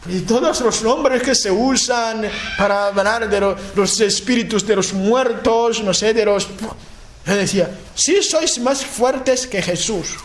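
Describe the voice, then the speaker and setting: A man from Africa preaching a sermon, speaking in halting phrases, restarting and repeating words, often checking in with his listeners. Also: a little hiss or hum. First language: a language of his homeland. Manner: chanting repeated proclamations with rising pitch.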